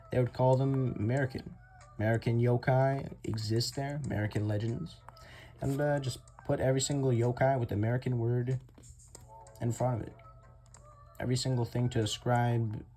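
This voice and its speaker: A man's voice: medium pitch, warm tone, slight background noise. A young man giving casual, chatty commentary over his own gameplay, often laughing and talking to viewers as "guys". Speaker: gaming YouTuber. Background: faint game music.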